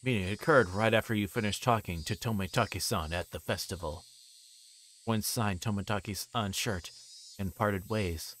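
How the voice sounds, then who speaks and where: A man livestreaming a visual novel, moving between quiet reading aloud and halting, casual chat. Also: fairly low pitch, slight background noise. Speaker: livestreamer playing games.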